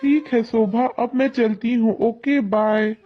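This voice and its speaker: A man's voice: very high voice, fairly even intonation, takes it slowly. Man putting on a spoiled, bratty rich girl. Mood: boastful. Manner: mocking, boastful. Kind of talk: animated storybook narration. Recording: dull lo-fi audio, faint music.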